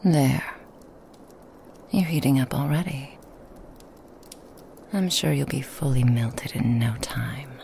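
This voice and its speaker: A woman playing a lonely, hospitable woman in a remote forest cabin, speaking softly and coaxingly in a half-whisper to the listener. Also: rumbling low, slow, creaky, long pauses, a little hiss or hum, heavily acted. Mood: gentle. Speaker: ASMR roleplay performer. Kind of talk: ASMR roleplay, whispered to the listener.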